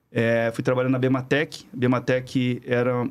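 In a very clean recording with a silent background, a man speaks at a medium pitch in a flat, monotone way. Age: 40s. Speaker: tech company co-founder. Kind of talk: interview. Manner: halting, frequent fillers.

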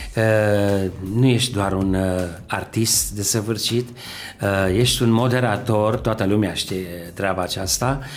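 In a room with audible echo, a man with a fairly low voice talks very slowly and with fairly even intonation. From Romania, Făgăraș. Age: 70s. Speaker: singer. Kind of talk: casual chat. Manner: halting.

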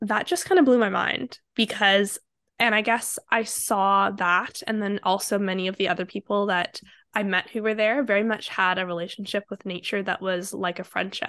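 In a Canadian accent, a woman of medium pitch talks at a moderate pace with fairly even intonation and a bright, sharp tone. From Vancouver, Canada. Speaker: podcast co-host. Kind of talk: casual conversational podcast chat. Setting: recording while visiting family in Vancouver.

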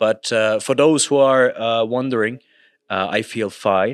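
With a Turkish accent, a man speaks at a medium pitch and fairly slow pace, in a dry, close sound with no echo against a quiet background. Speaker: real estate podcast host. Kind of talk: casual chat. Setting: office studio.

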